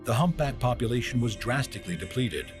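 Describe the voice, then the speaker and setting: A man giving scripted nature documentary narration in a measured, dramatic way, with grand descriptive phrasing. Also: medium pitch, expressive. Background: music behind the voice.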